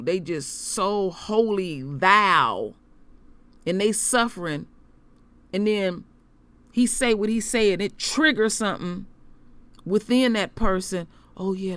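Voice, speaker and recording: Heated and preachy, a middle-aged man hosts his own online commentary, speaking off the cuff to listeners he addresses as his royal family, and his pitch rises as the rants take hold. The tone is bright, forceful, clear and resonant, with no room sound.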